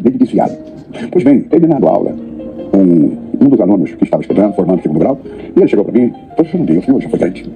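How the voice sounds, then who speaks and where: A man from Brazil, older, preaching a testimony as a pastor, telling his story with animated storytelling and acting out the voices of others. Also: fairly low pitch, low-quality recording.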